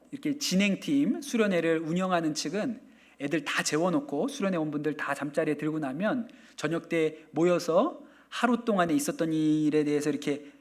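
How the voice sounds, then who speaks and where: A middle-aged man preaching a sermon, telling stories in an animated way with playful asides and mock quotes. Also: fairly high pitch. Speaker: pastor.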